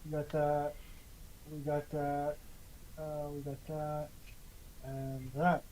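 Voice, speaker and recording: A man's voice: on the high side, completely flat delivery, slow, darkish tone, slight background noise, low-quality recording. A man chatting casually and a little hesitantly as a panelist in a group discussion. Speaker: panelist reading out audience questions.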